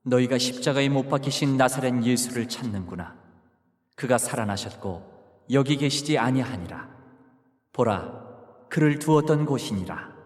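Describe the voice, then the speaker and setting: A man's voice: mid-range voice, moderate pace, darkish tone, lightly acted. Man acting solemn heavenly messenger, long reverb. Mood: solemn, reassuring. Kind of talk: dramatized Bible reading. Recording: long reverberant hall effect.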